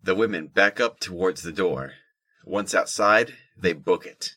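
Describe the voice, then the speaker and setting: Low-voiced man narrating a drama. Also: a little slow, sharp tone, no room sound. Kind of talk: scripted audio drama narration.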